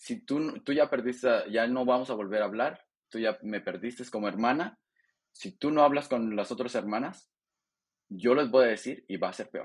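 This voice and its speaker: A man speaks in a plain, everyday voice at a moderate pace, with a medium pitch and ordinary pitch variation. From Mexico City and Kansas, US. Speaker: abuse testimony guest. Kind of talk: testimony.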